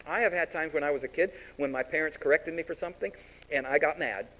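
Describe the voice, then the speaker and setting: A man's voice: on the high side, quick pace, low-quality recording. Give me a folksy male pastor preaching a sermon. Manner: folksy, animated storytelling with acted-out voices.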